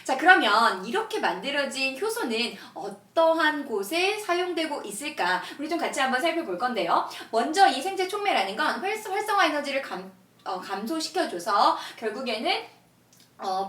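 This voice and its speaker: A woman with a high, very animated voice gives an online lesson to students. She explains in an encouraging way, posing questions and answering them herself. The sound is roomy and echoing. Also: a little fast. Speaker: science teacher presenting an online lesson. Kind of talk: scripted-outline lecture addressed to students. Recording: roomy echo, voice distant from mic.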